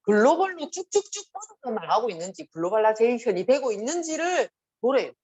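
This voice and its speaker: A middle-aged woman with a Gyeongsang accent gives a motivational seminar talk, animated and acting out quoted voices. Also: fairly high pitch, a little fast. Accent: Gyeongsang Korean. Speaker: motivational speaker.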